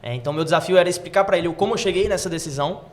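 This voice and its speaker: Young male guest, high voice, rapid and animated. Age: young adult. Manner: fast, animated, uses slang fillers like "cara". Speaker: son in the family business, guest. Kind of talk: casual interview talk.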